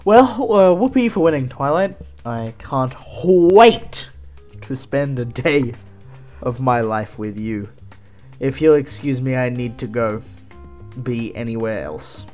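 A man voicing a weary, insincere royal alicorn princess in a cartoon parody, halting and thinly polite. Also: medium pitch, animated, a little mellow, soft background music. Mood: dreading.

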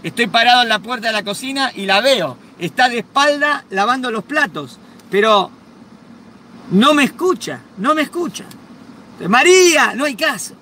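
An anxious husband, voiced by a man telling a joke, speaks. His tone is high and bright, and he pleads in worry. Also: expressive, moderate pace, a little hiss or hum, exaggerated voice. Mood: worried. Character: worried husband, deaf without knowing it.

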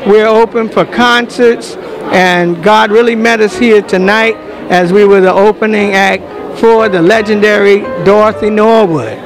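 An earnest man with a high voice talks slowly in a devout, preacherly way. He is being interviewed at a busy event, with music clearly heard behind him. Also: steady tone, rough recording. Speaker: reverend, gospel singer. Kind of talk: interview answers with preacherly blessings. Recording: music and crowd chatter behind.

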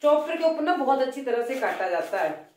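A woman's voice: sits high, big pitch swings, fairly quick, a little hiss or hum. Chatty Himachali woman, phone far off. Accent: Himachali Hindi. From Himachal Pradesh, India. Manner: chatty, complaining, talks loudly. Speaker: cooking vlogger. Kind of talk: casual cooking vlog chat. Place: home kitchen. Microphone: phone placed away from her. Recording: roomy phone audio from a distance.

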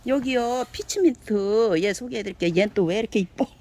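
A woman giving a cheerful live sales pitch for succulent plants, gushing and exclaiming over each one and chatting aloud to herself. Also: fairly quick, warm tone. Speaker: succulent seller.

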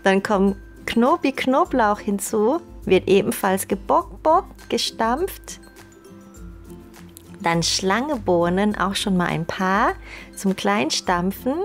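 A woman's voice: medium pitch, expressive, takes it slowly. A young woman narrating a recipe in a chatty, playful and enthusiastic way. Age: young adult. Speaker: cooking vlog host. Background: music behind the voice.

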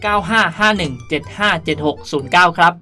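Music runs behind a video creator and host as he leads a casual game tutorial, politely chatting and frequently addressing his audience. He speaks fast in a high-pitched, bright voice with a forceful tone.

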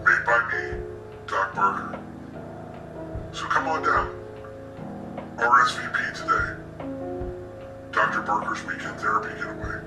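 A man playing a sinister male therapist pitching his weekend retreat in a mock advertisement. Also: a little slow, long pauses, distant mic, natural voice. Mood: salesman pitch. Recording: roomy echo, off-mic, music underneath. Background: clear music.

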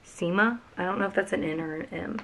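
A young woman with a drawl chats and gushes through a casual vlog, her voice sitting slightly low. She is recorded in a cluttered bedroom by a camera a few feet away. A faint background hiss runs under her talk. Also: fast talker, gravelly, fairly bright tone. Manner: chatty, gushing, lots of "like" and "freaking". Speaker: vlogger.

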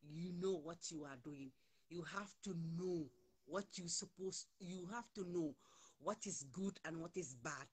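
Hosting a live stream from her phone, held at arm's length, a Gambian woman in her forties talks heatedly and repeats lines for emphasis. Her husky voice sits on the low side and moves a little slowly. She's indoors in a small room with a plain wall.

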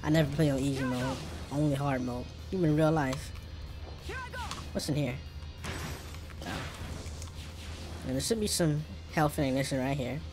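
A game streamer talks casually through the action in an African American English accent. The pitch sits in a middle range, and loud game music plays clearly behind the voice. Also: steady tone, moderate pace, long pauses. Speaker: gaming streamer. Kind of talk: casual gameplay commentary.

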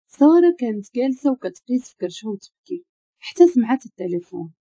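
A woman with a Moroccan accent narrating a dramatic family story with expressive delivery. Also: fairly high pitch, quick pace, breathy edge, no echo.

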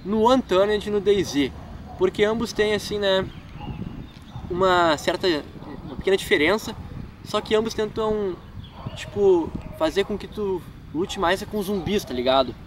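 A young man with a southern Brazilian gaúcho accent, chatting casually as he answers fan questions in a park vlog, full of filler tags and self-deprecating laughs. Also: sits high. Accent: southern Brazilian gaúcho Portuguese. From Rio Grande do Sul, Brazil. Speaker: gaming YouTuber. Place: outdoors in a wooded park. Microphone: camera mic from a few feet away. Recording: distant camera mic with outdoor noise.

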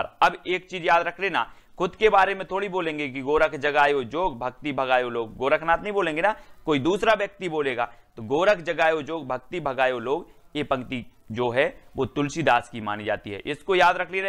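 Bright-voiced man teaching exam prep. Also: on the high side. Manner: asks the class questions and answers them himself; recites verse lines slowly and measured.

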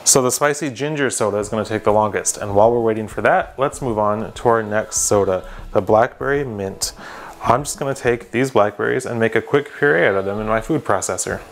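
A young man with a lowish voice walks viewers through a recipe in his home kitchen. He speaks straight to the camera and slips in dry, deadpan jokes between the steps. Soft music plays faintly behind him. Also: a little fast. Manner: deadpan joking asides to the viewer. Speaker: cooking show host. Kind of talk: scripted cooking demonstration.

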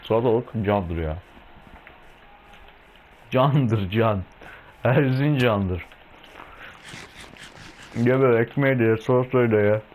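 A young gaming video host rambles through a casual gameplay video, eating as he talks and swearing freely. His voice sits at medium pitch, a little mellow, and he goes slowly with frequent pauses. The recording is rough, with a slight hiss or hum.

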